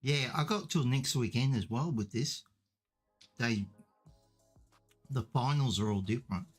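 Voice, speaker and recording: A man's voice: mid-range voice, measured pace, slightly rough, faint music behind. A man with an Australian accent hosting a stream watch party, chatting casually and drawing giveaway winners. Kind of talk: casual chat. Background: tournament broadcast playing.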